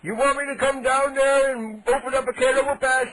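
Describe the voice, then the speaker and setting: A man's voice: extremely high pitch, fairly even intonation, fairly quick, crowd noise, rough recording. A man playing a cranky, indignant 87-year-old neighbor on a prank call, making blustering threats with mock-polite outrage. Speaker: prank caller.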